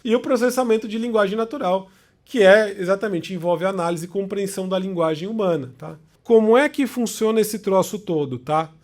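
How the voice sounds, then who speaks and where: A Brazilian Portuguese-accented lecturer explains things informally in a high, darkish voice, talking slightly fast. He keeps it conversational, checking on listeners with short tag questions.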